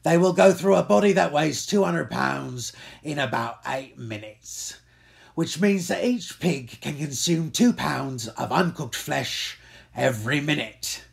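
A man's voice: a little high, creaky, full character voice. A man playing a cold-blooded gangster in a dramatic monologue, speaking with matter-of-fact menace. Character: menacing, cold-blooded male gangster boasting of feeding bodies to pigs. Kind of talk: dramatic monologue for voice-over demo.

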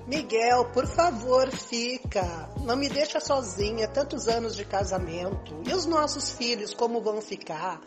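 An older Brazilian woman playing an insistent, jealous long-married wife in an amateur radio soap. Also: on the high side.

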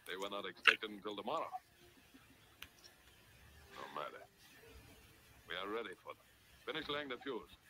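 A man's voice: fairly low pitch, big pitch swings, normal speed, long pauses. An actor playing a stern male tribal leader in a 1940s film serial, speaking in a grave, commanding way on a noisy old film soundtrack. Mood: grim.

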